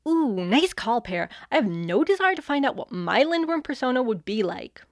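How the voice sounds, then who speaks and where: A sassy fairy played by a woman in an audio comedy, cocky and theatrical. Her voice sits fairly high and swoops around a lot, recorded close and dry. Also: sing-song, moderate pace, dry recording. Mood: breezy, cocky. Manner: breezy, sardonic, theatrical. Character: cocky sarcastic female fairy wielding chaos magic. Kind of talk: audio fiction comedy acting.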